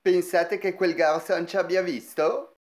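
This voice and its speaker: A man's voice: high voice, steady tone, unhurried. A man voicing a theatrical monster servant in a cartoon fandub, menacing yet obedient to a young master. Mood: scheming. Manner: theatrical, peppered with foreign words.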